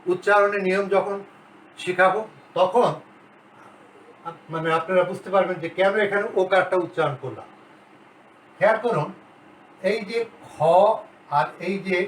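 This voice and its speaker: A male grammar lecturer teaching a class at the board, talking slowly and deliberately and repeating the key sounds. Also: high voice, far from the mic. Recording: roomy, off-mic, faint hiss.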